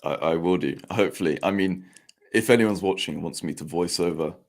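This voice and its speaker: A nineteen-year-old man with a croaky voice, chatting hesitantly as a guest on a podcast with many restarts. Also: a little fast. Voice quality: croaky deep voice. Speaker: guest, media founder. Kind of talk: casual podcast chat.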